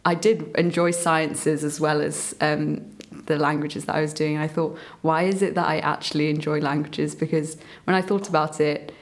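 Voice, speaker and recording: A woman's voice: low-pitched, level tone, moderate pace. A young woman, a medical student guest, chatting eagerly in an interview with lots of fillers. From Burma. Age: young adult. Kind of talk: casual interview chat.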